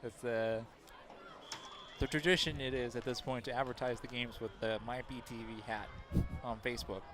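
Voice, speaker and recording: A man giving color commentary at a local high school football game, chatty and analytical, often restarting his sentences. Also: steady tone, moderate pace, fairly bright tone, slight background noise.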